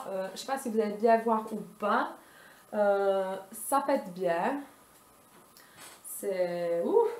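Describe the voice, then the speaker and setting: A woman talks through her beauty haul in a loose, chatty way, stopping often to hesitate and pick up her thread. Her voice sits at an ordinary middle pitch. The room around her adds a clear echo. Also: a little hiss or hum. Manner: chatty and rambling, full of hesitations. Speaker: beauty vlogger. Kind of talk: casual product haul chat. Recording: roomy echo.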